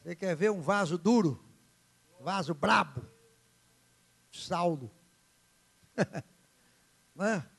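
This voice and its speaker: A male pastor, preaching a sermon in an animated, dramatic way and acting out the story's characters. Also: sits high, extremely slow, creaky, pauses often, breathy edge.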